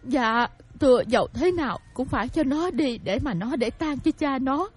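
A dutiful young widow implores humbly in a high, breathy voice. Her pitch rises and falls a lot, in the style of a radio play. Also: lively intonation, normal speed. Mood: imploring. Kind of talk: radio drama acting.

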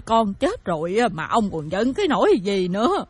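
A woman's voice: mid-range voice, very animated, moderate pace, a little mellow, husky, soft background music. A woman playing a grieving older mother in a radio drama who pleads insistently with her husband. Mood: pleading.

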